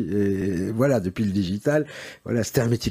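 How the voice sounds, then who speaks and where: A man speaks with lively intonation at a moderate pace. His tone is dark and mellow, with a slight Parisian accent. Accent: slight old Parisian. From Paris, France. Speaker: advertising agency founder. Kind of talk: interview. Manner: halting, many fillers.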